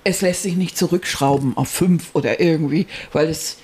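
A woman's voice: sits low, moderate pace, darkish tone, husky. A woman co-hosting a podcast, explaining ideas in a reflective way with many fillers and restarts. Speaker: podcast co-host. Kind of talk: casual conversational chat.

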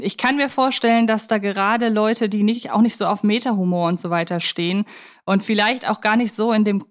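A woman co-hosting a podcast, discussing films in a casual, colloquial way with a fan's enthusiasm. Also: mid-range voice. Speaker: podcast co-host.

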